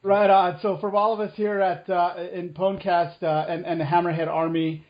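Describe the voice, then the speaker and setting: A man's voice: sits high, little pitch movement, moderate pace. A man hosting a gaming podcast, talking in a laid-back, casual way as he wraps up the show. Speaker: podcast host. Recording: dull lo-fi podcast audio.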